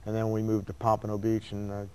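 A man's voice: on the low side, fast, smooth, rough recording. A man in his sixties from South Florida, a radio station manager talking easily as a guest in a studio interview. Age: 60s. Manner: relaxed, conversational, with fillers. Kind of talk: casual interview.

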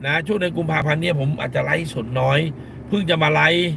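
A man's voice: fairly high pitch, fast talker, vocal fry, noisy background. A middle-aged man, a lawyer hosting a live stream, talks bluntly in casual commentary and scolds with crude slang, repeating phrases for emphasis.

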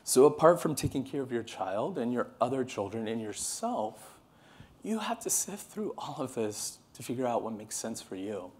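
A man's voice: medium pitch, normal speed, a little hiss or hum. A man in his thirties from California with an American accent, giving an earnest, passionate conference keynote to a seated audience. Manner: earnest, animated, passionate delivery. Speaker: keynote speaker. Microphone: podium microphone, moving around the stage.

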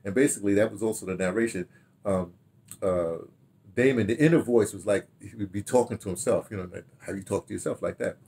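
An older American man, a radio drama producer, sits in a small, book-lined room at home and reminisces to camera about past productions. His fairly low voice is creaky, husky and darkish, and his delivery is rambling and halting, often repeating a word before moving on and checking his notes aloud.

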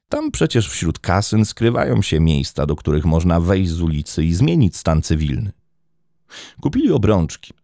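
A man narrating a true-crime story in a measured, dramatic storytelling manner. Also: low voice, mellow, dry recording, studio quality.

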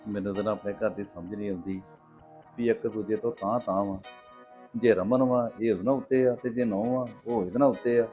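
A middle-aged man playing a patient farmer father who gives calm advice. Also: on the low side, close to an everyday voice. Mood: weary. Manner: calm, advising, measured. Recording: dull lo-fi sound with faint music.

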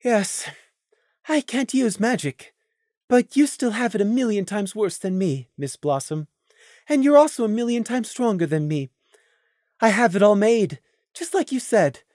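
A woman voicing a gentle, humble female unicorn in an audio story, calm and patient with a smooth, musical tone. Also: mid-range voice, a little slow, no echo, studio quality, voice pushed up. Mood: earnest, humble.

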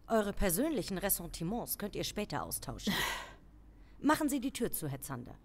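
An actress playing an authoritative female police chief in an audio crime drama, formal, measured and commanding. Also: medium pitch, sing-song, a little mellow. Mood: stern. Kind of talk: German audio drama acting.

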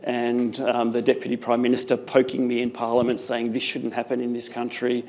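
A man in his fifties speaks on a conference panel with a gravelly, rough edge. His delivery stays flat and even as he restarts his sentences and works toward his point. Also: medium pitch. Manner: halting, frequent restarts. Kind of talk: panel discussion answers. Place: conference stage with plants.

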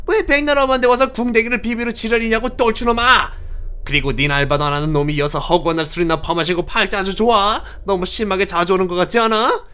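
A man's voice: high voice, pushed and bright, clear, resonant tone. A man voicing a foul-mouthed, cantankerous old granny who scolds and rants in a comic webtoon dub, with music behind. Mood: scolding.

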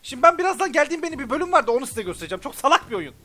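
A man giving let's play commentary, excitable and often frustrated and cursing. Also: very high voice, very fast. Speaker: gamer. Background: game music.

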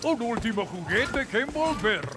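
A man's voice: high voice, sing-song, measured pace. A man voicing a jolly old Santa Claus in a children's cartoon, with a Latin American Spanish accent. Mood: jolly, busy. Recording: music behind the voice.

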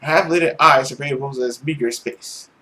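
A young man reading a visual novel aloud dramatically, with an expressive, theatrical manner. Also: mid-range voice, moderate pace, low-quality recording. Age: young adult. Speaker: let's play host. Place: small indoor room at home. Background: music.

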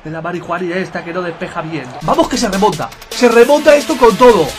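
Young male gaming commentator, hyped and foul-mouthed, fairly high voice, game music underneath. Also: fast, a little hiss or hum. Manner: excitable, swears, talks to viewers as chicos. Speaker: gameplay commentator. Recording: game music playing loudly behind.

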